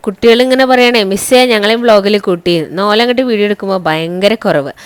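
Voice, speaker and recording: A woman's voice: mid-range voice, quick pace, faint music behind. A woman with a Kerala accent narrating a casual, chatty vlog, mixing English words into her Malayalam. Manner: chatty, addresses viewers with frequent tag words. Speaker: college teacher and vlogger.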